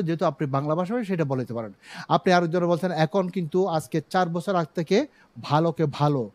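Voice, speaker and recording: A middle-aged man with a Chittagong Bengali accent, teaching an online English pronunciation class from his own studio, explaining slowly and having students repeat words. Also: fairly high pitch, darkish tone. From Bangladesh.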